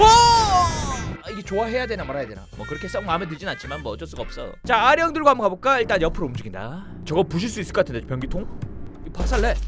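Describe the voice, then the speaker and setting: Gaming host, male, high and wildly animated delivery over game music; excitable self-talk. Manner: excitable, shouts and laughs, talks to himself. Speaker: gaming YouTuber. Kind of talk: lively let's-play commentary.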